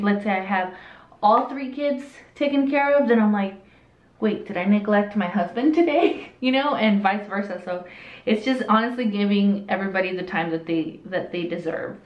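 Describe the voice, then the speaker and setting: A woman in her late twenties from El Salvador, raised in Southern California, with a light Hispanic accent. She talks in a candid, chatty way and restarts sentences often. Her voice is recorded on a camera in a small room that sounds roomy and a little dull. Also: medium pitch. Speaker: vlogger. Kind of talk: casual Q&A while doing makeup. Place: small indoor room with a curtain backdrop.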